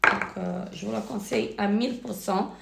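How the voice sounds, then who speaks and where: A woman with a cold and a hoarse voice, hesitantly reviewing finished beauty products in a casual vlog. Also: mid-range voice, moderate pace, heavy background noise. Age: married adult. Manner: hesitant, many fillers and restarts. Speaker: beauty vlogger. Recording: echoey room.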